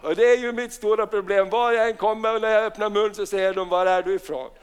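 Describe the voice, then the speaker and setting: A man from Finland with a Finland-Swedish accent, preaching fervently and punctuating his sermon with amen and hallelujah, reading scripture slowly. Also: high-pitched, fairly even intonation, smooth. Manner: reads scripture slowly and deliberately.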